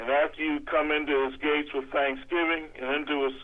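A man speaks in an ordinary speaking voice, fairly high in pitch, at a moderate pace. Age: 60s. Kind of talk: testimony.

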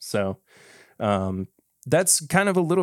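A man talks with an American accent. The recording is very clean with a silent background. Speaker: podcast host. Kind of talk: casual chat. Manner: presenter-style delivery.

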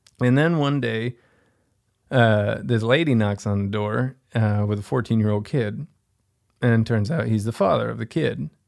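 The recording is very clean, with a silent background. A man speaks in an ordinary speaking voice at a moderate pace and a medium pitch, with ordinary pitch variation. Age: 40s. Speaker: hiker and traveler. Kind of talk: casual chat.

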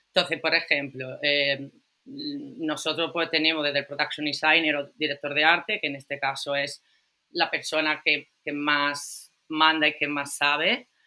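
Fairly slow, monotone speech in an Italian accent, flat in intonation and bright, sharp in tone. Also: woman, very deep, low pitch for a woman. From Italy. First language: Italian (speaking Spanish). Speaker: film art director. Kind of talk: interview.

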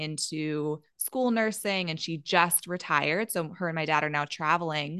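Against a quiet background, a woman with a fairly low pitch and a bright, sharp tone speaks at a moderate pace with ordinary pitch variation. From Maryland, US East Coast. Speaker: life coach. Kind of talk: casual interview conversation.

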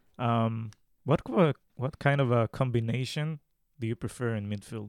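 A man with an Israeli accent speaks at a medium pitch with ordinary pitch variation, on a very clean, dry, close recording with a silent background and no echo. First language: Hebrew. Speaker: podcast host. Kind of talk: interview. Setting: studio.

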